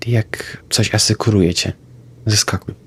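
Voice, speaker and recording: A man, a player in a tabletop roleplaying game, haltingly narrating his own moves. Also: lowish voice, steady tone, a bit bright, slightly rough.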